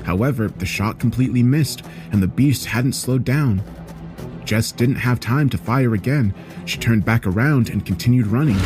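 A man reading a scripted horror story in a measured, serious way, as a storyteller. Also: mid-range voice. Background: background music.

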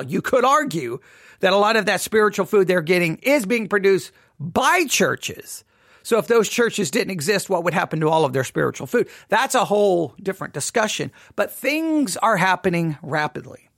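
A man's voice: sits high, a bit bright, no room sound, clean studio sound. A man hosting a solo commentary podcast, talking earnestly with repeated emphasis and frequent restarts. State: voice briefly giving out. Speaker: podcast host.

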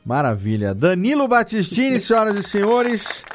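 Brazilian male podcast host, slightly high voice. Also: huge pitch swings, normal speed, music in the background. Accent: Brazilian Portuguese. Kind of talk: casual live podcast hosting.

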